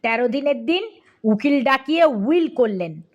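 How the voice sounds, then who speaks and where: Woman narrator for a funny audiobook story; high, unhurried, playful delivery. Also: lo-fi sound. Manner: lively, comic, addressing listener.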